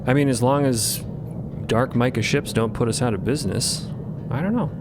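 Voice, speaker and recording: A man's voice: mid-range voice, moderate pace, noisy background, lightly acted. A man acting an easygoing pilot in an audio drama, talking in a casual, hesitant, rambling way. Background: loud music.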